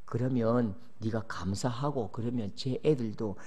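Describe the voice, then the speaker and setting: A man voicing God as a calm, stern, fatherly elder, speaking slowly and solemnly with a Gyeongsang accent. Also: mid-range voice, pitched below the performer's own voice, lightly acted. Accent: Gyeongsang Korean. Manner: slow, solemn, measured.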